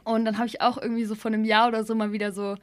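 Quick-talking woman hosting a podcast. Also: fairly high pitch, little pitch movement, no room sound. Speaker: podcast host. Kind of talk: interview conversation.

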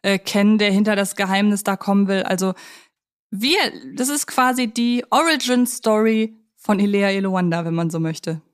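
A woman's voice: mid-range voice, moderate pace, clear, resonant tone. Female podcast co-host, mid-range voice, reflective and searching in conversational film talk.

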